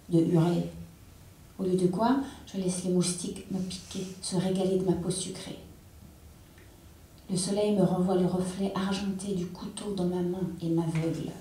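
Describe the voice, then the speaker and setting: Woman reading low in an echoing hall. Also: dark tone. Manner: intense, measured dramatic reading. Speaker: reader. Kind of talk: literary reading aloud. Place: theatre stage. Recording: echoey hall, distant mic.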